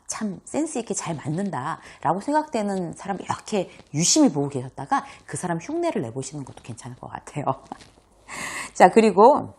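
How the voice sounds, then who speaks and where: A woman teaches viewers in a lively lecture, acting out examples and laughing often. Her voice sits low and has a gravelly, husky grain. Her pitch moves a lot as she talks. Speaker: host and workplace communication coach. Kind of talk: talking-head lecture.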